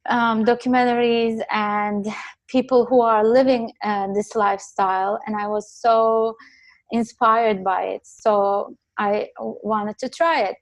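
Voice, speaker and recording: Hesitant woman, higher voice. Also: fairly even intonation, unhurried, no room sound. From Turkey. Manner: hesitant, many ums and restarts. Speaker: guest. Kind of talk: casual interview talk.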